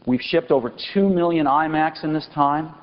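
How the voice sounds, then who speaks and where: Enthusiastic man presenting on a stage. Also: a little high. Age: 40s. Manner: enthusiastic, emphatic, pausing for effect. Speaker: company executive presenting a product keynote. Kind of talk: product launch keynote. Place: large auditorium stage. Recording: dull lo-fi 1999 event recording with faint hiss.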